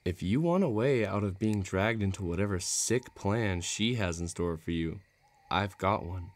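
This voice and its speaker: A man's voice: low-pitched, expressive, moderate pace. A man playing a cocky, menacing villain in a romantic audio roleplay, taunting and self-assured. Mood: coaxing, menacing. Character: cocky, menacing male villain, playful but threatening.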